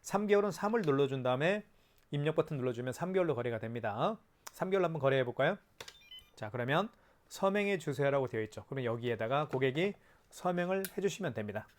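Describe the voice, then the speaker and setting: A man's voice: medium pitch, expressive, quick pace, slight background noise. A man presenting a product in a hands-on tutorial, explaining step by step in an instructive way with rhetorical questions.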